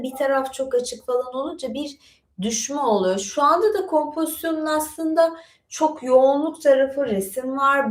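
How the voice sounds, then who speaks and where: A woman's voice: high-pitched, darkish tone. A woman hosting a casual livestream, chatting in a rambling way with lots of fillers and asides. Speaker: livestream host. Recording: echoey room.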